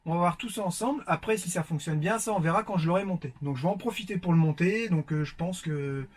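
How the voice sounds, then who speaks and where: A French vlogger with a high voice talks fast while unboxing. He chats casually with viewers, uses lots of fillers, and greets them warmly.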